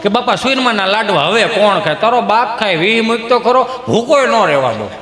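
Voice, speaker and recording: A male stand-up comedian spins folk stories in an animated way, jumping into shrill voices for the characters. His voice sits high. The sound is roomy with a long hall reverb and faint ambience. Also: normal speed, slight background noise. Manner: animated joke-telling, jumping into high-pitched voices for mothers and children. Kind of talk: Gujarati folk comedy storytelling on stage. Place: large hall before a live audience.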